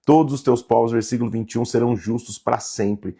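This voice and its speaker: A man's voice: mid-range voice, brisk, mellow, slightly rough. A man reading Bible passages aloud and explaining them in a casual, conversational way. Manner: reads verses aloud, then comments in a casual tone. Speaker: Bible teacher.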